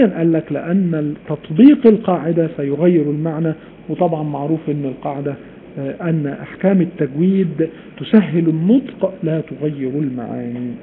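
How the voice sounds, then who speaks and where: A man with an Egyptian accent teaching a live-streamed Quran recitation lesson, animated and repeating key points while quizzing his students. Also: high voice. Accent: Egyptian Arabic. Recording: phone-like live stream audio with faint noise.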